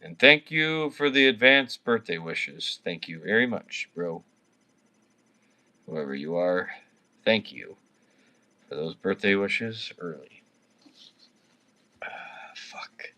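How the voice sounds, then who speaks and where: A man's voice: low voice, lively intonation, slow pace, pauses often, sharp tone. A man in his thirties, drunk and slurring, rambling and swearing constantly while chatting with viewers on a livestream. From Canada. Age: 30s. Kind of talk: casual livestream chat with viewers.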